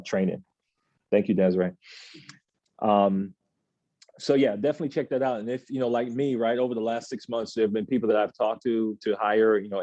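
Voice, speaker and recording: A man in his thirties hosting an office team meeting, reading out announcements in a relaxed, chatty way with plenty of filler sounds. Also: fairly low pitch, dry recording, muffled recording. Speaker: agency meeting host. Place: office meeting room, indoors.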